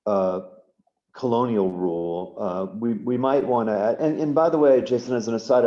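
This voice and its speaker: A man's voice: fairly low pitch, mellow, reverberant, lo-fi sound. A man speaking as a panelist in an academic discussion, hesitant and rambling, with many fillers.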